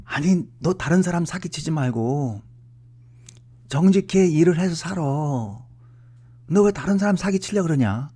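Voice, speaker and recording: A preacher voicing his gruff, irritated older father, who scornfully scolds his son in a raised, shouting voice. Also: a little high, lively intonation, unhurried, pitched above the performer's own voice. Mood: scolding.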